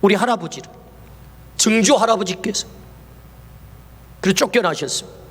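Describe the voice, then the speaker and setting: Male pastor, high voice, sermon with rhetorical questions, long church reverb. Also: moderate pace, breathy edge. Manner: asks the congregation many rhetorical questions. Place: church sanctuary.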